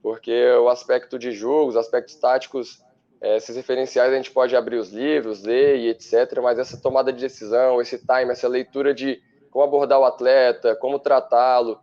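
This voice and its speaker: A man, a football coach on a studio interview, who explains his views fluently and in a measured way. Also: mid-range voice, level tone, mellow, muffled recording. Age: 30s.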